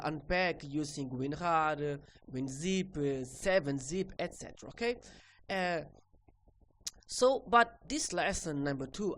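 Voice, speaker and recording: A woman whose first language is Portuguese, teaching a recorded repair lesson in halting English and ending most sentences with "okay?". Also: on the low side, a little hiss or hum.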